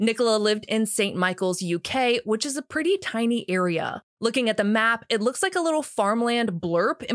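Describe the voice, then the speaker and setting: A woman with a normal speaking voice talks at a moderate pace and a fairly high pitch, lively in intonation and with hardly any pauses, in a very clean recording with a silent background and a dry, close sound with no echo. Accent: American. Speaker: true crime podcast host. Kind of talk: scripted narration.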